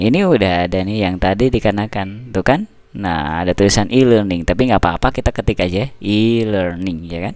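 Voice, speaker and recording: A man at a fairly low pitch and fairly quick pace with ordinary pitch variation and hardly any pauses, in a very clean recording with a silent background. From Indonesia, West Java (Tasikmalaya). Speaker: vlogger and university student. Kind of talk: screen-recording tutorial. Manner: casual, hesitant with many fillers.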